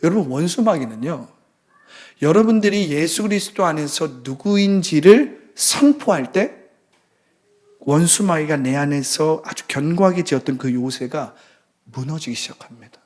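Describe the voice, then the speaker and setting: Lively high-voiced Korean pastor preaching. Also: male voice, moderate pace. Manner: dramatic storytelling with sudden drops to a hushed voice; passionate preaching with exclamations of hallelujah. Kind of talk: sermon.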